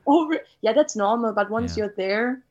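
A woman chatting casually on a podcast, teasing and quick with her comebacks. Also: fairly high pitch, a little mellow, muffled recording. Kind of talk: casual chat.

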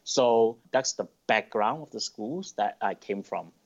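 A middle-aged man from Malaysia, answering interview questions thoughtfully, with pauses and restarts. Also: fairly low pitch, expressive. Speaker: podcast guest. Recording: dull lo-fi sound.

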